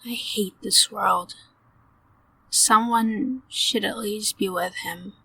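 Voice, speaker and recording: Woman acting a bright, earnest, soft-hearted young woman. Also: medium pitch, fairly even intonation, takes it slowly, gravelly, husky, dry recording, full character voice, poor audio. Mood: upset, compassionate. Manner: earnest, emotional, pleading. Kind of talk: audio drama acting.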